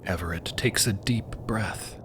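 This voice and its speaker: A man narrating scripted audio fiction in a deliberate, atmospheric, dramatic style. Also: low voice. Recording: clear background noise, ambience.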